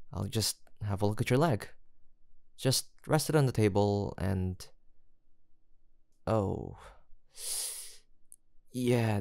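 Guy doing a soft protective caretaker for asmr roleplay, slow n gravelly, reassuring, close dry sound. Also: lowish voice, no echo. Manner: soft, reassuring, coaxing, unhurried. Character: gentle, protective male caretaker soothing an injured stray. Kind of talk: intimate ASMR audio roleplay.

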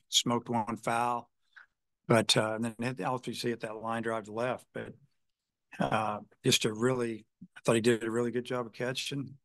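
A male head coach fields questions at a postgame press conference, wandering through his answers with constant fillers and self-corrections. His voice sits at a middle pitch and sounds dry and close, with no room echo. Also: a bit bright. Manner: rambling, heavy on "you know" fillers and restarts.

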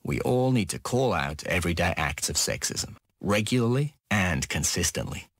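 Deep, expressive Australian male narrator. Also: moderate pace, slightly rough, no room sound, studio quality. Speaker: voice-over artist. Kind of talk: scripted corporate and campaign narration.

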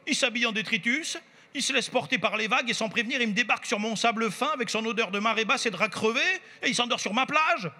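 A bossy, insolent little girl, as a man reads her out from his play snaps and mocks in a high, bright voice. She scolds loudly and breaks into sudden shouts. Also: fast, in a large hall, exaggerated voice. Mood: indignant. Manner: mocking, bossy, bursts into shouts. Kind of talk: author reading his own play aloud.

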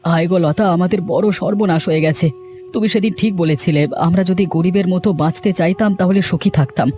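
A man's voice: sits high, brisk, warm tone, faint music behind, lightly acted. A man voicing a poor, trusting village farmer in a cartoon, meek and plaintive. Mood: hurt, lamenting. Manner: plaintive, pleading. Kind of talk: dramatic cartoon voice acting.

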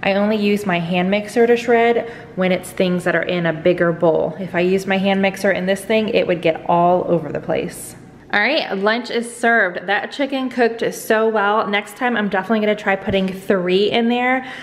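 In a medium-pitched voice at a moderate pace, a middle-aged Texan cooking vlogger explains a home-kitchen recipe step by step, casual and chatty with frequent "go ahead"s. The sound suggests a large hall, with slight background noise.

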